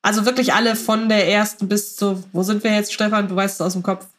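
A woman's voice: mid-range voice, fairly even intonation, a little fast, fairly bright tone. A woman hosting a podcast, putting questions to guests in a conversational way. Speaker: podcast host. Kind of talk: conversational interviewing.

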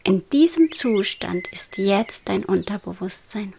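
A woman guiding a hypnosis meditation in a soft, slow whisper. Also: mid-range voice, expressive, gravelly, slight background noise. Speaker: hypnosis guide.

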